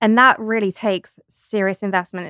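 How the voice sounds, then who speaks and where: In a London accent, a woman speaks at a moderate pace with a medium pitch and a bright, sharp tone. Her intonation stays fairly even on a very clean recording with a silent background. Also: dry, close sound with no echo. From London, England. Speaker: stylist and content creator. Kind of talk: casual chat.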